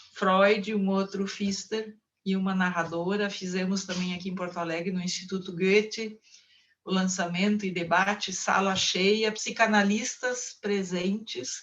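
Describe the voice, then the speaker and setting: Monotone, flat intonation in a German accent at a fairly slow pace. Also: woman, medium pitch for a woman. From Brazil, German immigrant community. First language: German (speaking Portuguese). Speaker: psychoanalysis and theology researcher. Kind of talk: online lecture.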